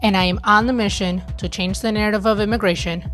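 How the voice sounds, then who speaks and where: A woman's voice: medium pitch, steady tone, fast talker, fairly bright tone, soft background music. A woman hosting a podcast, reading a sponsor announcement and introducing her guest in an upbeat, effusive way. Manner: upbeat and effusive, repeats thanks. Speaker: podcast host.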